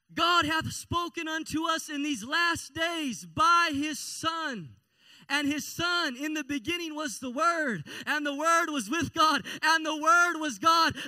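Against a quiet background, a man projects a raised voice with a bright, sharp tone at an extremely high pitch and ordinary pitch variation. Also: fairly slow pace, dry sound with no echo. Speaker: pastor. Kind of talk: sermon, pentecostal-style Sunday preaching. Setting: church. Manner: rhythmic, repetitive preacher cadence building momentum; reassuring, exclamatory with interjected praise. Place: church. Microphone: handheld.

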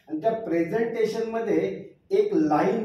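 A man speaks with lively intonation. Audible room echo is present. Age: 60s. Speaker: retired government officer, financial education promoter; interviewee. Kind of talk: interview testimony. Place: home room.

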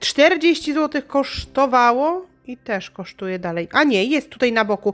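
Music in the background under a woman's animated tone, fairly slow in pace, with ordinary pitch variation. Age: 30s. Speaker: YouTuber, shopping vlogger. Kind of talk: store haul review vlog. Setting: in a store.

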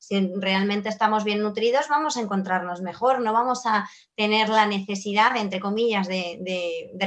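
A woman with an unremarkable speaking voice and a medium pitch talks at a moderate pace, with fairly even intonation and hardly any pauses. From Spain (Madrid), born in Argentina. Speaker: nutritionist and teacher. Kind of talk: interview.

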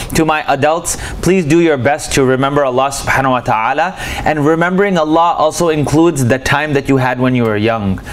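A man talks very fast with ordinary pitch variation, some light noise in the background. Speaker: religious teacher. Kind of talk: lecture. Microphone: handheld.

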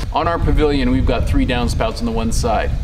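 A man's voice is heard. Background noise is noticeable throughout. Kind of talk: casual vlog chat. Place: farm machine. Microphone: phone near.

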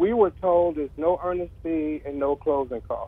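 The pace is moderate. The sound is dry with no echo. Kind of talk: call-in question. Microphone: phone line.

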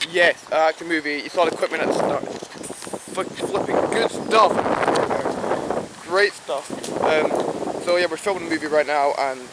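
A man at a fairly slow pace, with loud background noise. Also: dry sound with no echo. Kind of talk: casual vlog chat. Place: forest. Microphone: phone near.

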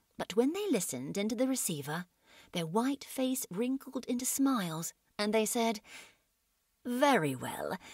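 With long, frequent pauses and very wide pitch swings, a woman speaks at a moderate pace and a fairly high pitch, the sound dry with no echo against a quiet background. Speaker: voice actor. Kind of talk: audiobook narration, reading aloud a dystopian story. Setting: audition recording for voice-over contest. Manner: dramatic, measured, atmospheric. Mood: measured, expressive storytelling. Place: booth. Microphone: studio mic.

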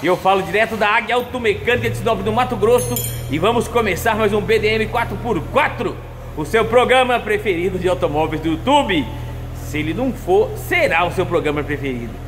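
Music plays in the background as a man speaks. He keeps a moderate pace with lively intonation. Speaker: mechanic shop owner host. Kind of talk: casual vlog chat. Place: workshop. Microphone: lapel.

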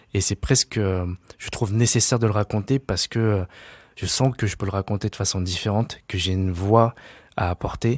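The voice moves at a moderate pace with fairly even intonation. The sound is dry with no echo, against a quiet background. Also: man, fairly low pitch for a man. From Paris suburbs, Seine-Saint-Denis (Aulnay-sous-Bois); Paris. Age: 20s. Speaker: photographer; interview guest. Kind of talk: interview. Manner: hesitant, many filler sounds. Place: office.

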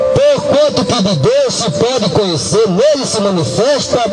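Someone talks at a fairly slow pace over loud background music. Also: man. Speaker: street preacher. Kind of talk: sermon. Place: street. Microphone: handheld.

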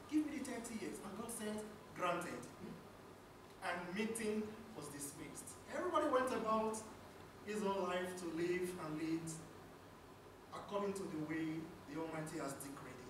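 With audible room echo and noticeable background noise, a man speaks at a high pitch and a moderate pace, pausing long and often. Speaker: club speaker. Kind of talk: storytelling speech. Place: meeting room. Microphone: camera far.

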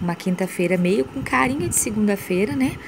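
With noticeable noise behind her, a woman talks in a fairly low voice. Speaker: homemaker vlogger. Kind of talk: devotional vlog talk. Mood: warm, calm, devotional. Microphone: phone near.

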